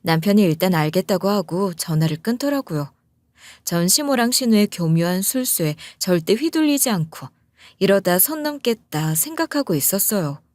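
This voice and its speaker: A woman's voice: fairly low pitch, darkish tone, no echo. A woman narrating a personal story in a confiding, conversational manner.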